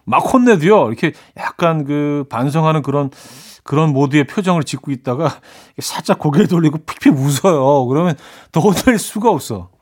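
A man's voice: fairly high pitch, expressive, normal speed, darkish tone. A middle-aged man hosting a radio music show in a chatty, casual way, reading listener messages and joking about them. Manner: chatty, reads listener messages and plays up reactions.

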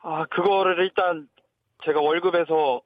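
Male phone-in caller, polite formal speech, slightly high pitch, thin telephone sound. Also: steady tone, a little slow, no room sound. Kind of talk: polite, formal reporting of personal troubles. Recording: thin narrow phone line.

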